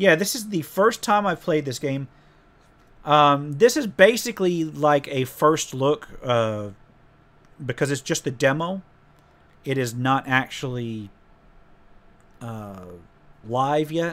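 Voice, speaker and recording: Very slow speech with an American accent, very wide pitch swings and long, frequent pauses. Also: man, fairly high pitch for a man. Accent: Texan, sometimes heavier. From Texas. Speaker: gaming video creator. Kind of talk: live gameplay commentary; reading game text aloud. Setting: live stream. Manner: casual, rambling with fillers.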